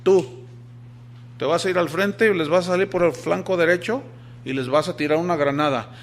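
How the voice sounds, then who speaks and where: A man's voice: a little high, moderate pace, a little hiss or hum, natural voice. A man voicing a stern army sergeant who barks curt orders, within a sermon story. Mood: commanding.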